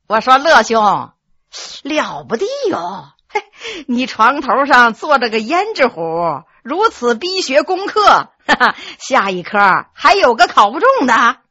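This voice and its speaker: A woman's voice: sits high, sing-song, unhurried, pushed and bright, husky, dry recording, muffled recording, heavily acted. A woman voicing a jovial teasing man. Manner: chatty and teasing. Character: male friend, jovial and teasing.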